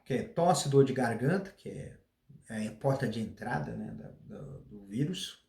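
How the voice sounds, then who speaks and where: A man's voice: medium pitch, lively intonation, unhurried, vocal fry, darkish tone, reverberant. A Brazilian man hosting a casual solo talk, rambling with restarts, a slight cough. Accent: Brazilian Portuguese. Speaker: podcast host.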